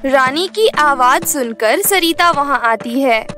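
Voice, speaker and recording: A woman narrating a cartoon bedtime story in an even storytelling manner. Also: high voice, slow, soft background music.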